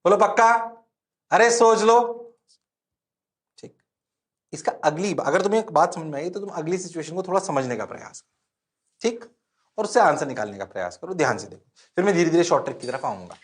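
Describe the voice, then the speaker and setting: Man, physics lecture, high-pitched, playful, repeats questions. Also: lively intonation, quick pace. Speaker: physics teacher. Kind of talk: online exam-prep lecture.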